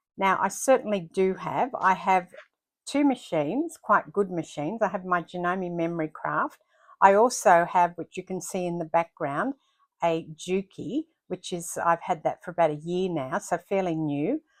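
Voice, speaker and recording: At a moderate pace, a plain, everyday voice shows ordinary pitch variation in a dry, close sound with no echo. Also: woman, fairly low pitch for a woman. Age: 60s. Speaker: craft and sewing vlogger. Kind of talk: casual vlog talk to camera.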